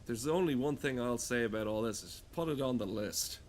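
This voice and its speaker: A man rambles through crude comedic game commentary in a mid-pitched voice. He swears freely and talks in a loose, wandering way, with some background noise behind him. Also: brisk. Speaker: gamer talking over gameplay.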